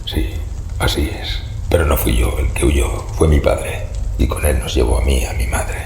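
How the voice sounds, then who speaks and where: In a horror audio drama, an actor plays a sinister yet courteous older man from a cursed line of fish-like cultists. His low, rumbling voice is slightly mellow, gravelly, rasping and breathy, with fairly even intonation, and he tells his story in a slow, formal, grave and ominous way. The echoey, reverberant room carries faint noise.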